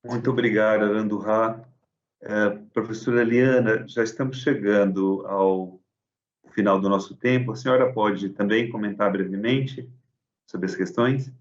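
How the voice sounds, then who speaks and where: Low-voiced guy moderating a webinar, formal, distant dull call sound. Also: fairly even intonation, normal speed. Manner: formal, courteous. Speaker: moderator, judge. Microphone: video call.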